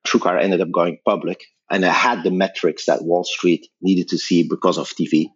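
Deep husky Belgian-accented man. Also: steady tone, moderate pace, muffled recording. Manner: thoughtful, explanatory, frequent fillers and restarts. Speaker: guest, company founder. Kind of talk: podcast interview.

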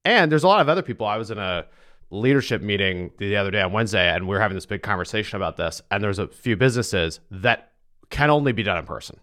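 Male host, slightly low voice, relaxed conversational phrasing for an informal interview. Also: fast. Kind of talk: casual chat.

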